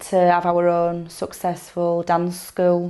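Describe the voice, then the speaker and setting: Fairly low, dark and mellow woman's voice in a West Yorkshire accent, at a fairly slow pace. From northern England, Bradford area. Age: 20s. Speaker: ballroom dancer and nursery nurse. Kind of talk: documentary interview.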